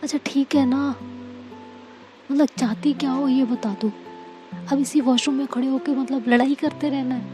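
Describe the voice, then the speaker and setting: A woman voicing Anika, a sharp-tongued young woman who is quick to argue. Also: high voice, steady tone, faint music behind, voice pushed up, close to an everyday voice. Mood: exasperated.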